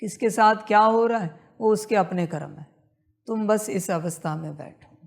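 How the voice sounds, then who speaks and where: A woman leading a guided meditation, repeating her instructions in a slow, insistent spiritual talk. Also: medium pitch.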